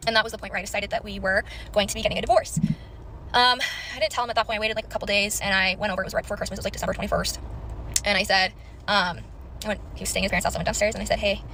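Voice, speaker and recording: A woman's voice: medium pitch, steady tone, racing, pushed and bright, a little hiss or hum, rough recording. A young woman with a Utah accent telling a personal story casually and chattily, with lots of filler likes. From Utah, USA. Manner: chatty, many likes and self-quotes.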